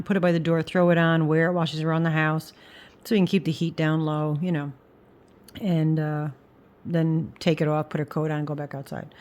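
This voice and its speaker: An older woman speaks in a low register, with a slight whistle on her s sounds. She chats informally in the way of a craft vlogger, pausing, restarting and trailing off into asides as she thinks aloud. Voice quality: whistling s through the teeth. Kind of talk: casual rambling chat.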